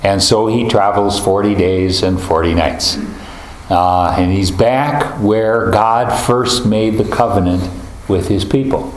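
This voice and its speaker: A man leading a group Bible study, talking in a halting, thoughtful way with many fillers and restarts. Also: on the low side, slight background noise. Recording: roomy echo, faint ambience.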